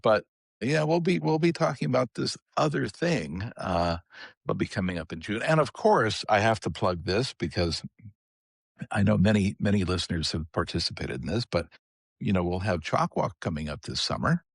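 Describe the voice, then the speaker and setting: A man's voice: lowish voice, sing-song, normal speed, creaky, breathy edge, no room sound, clean studio sound. A man guest on a podcast, telling stories in a rambling way with many restarts. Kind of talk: casual storytelling chat.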